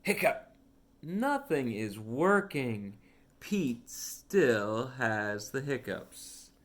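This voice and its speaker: A man reading a children's picture book aloud as a storyteller, with simple, deliberate phrasing. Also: medium pitch, very animated. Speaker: read-along storyteller.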